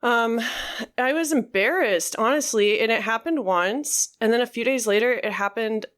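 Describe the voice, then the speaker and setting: A woman co-hosting a podcast, talking frankly in a halting way with many fillers. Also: on the high side. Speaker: podcast co-host. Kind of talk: candid conversational podcast talk.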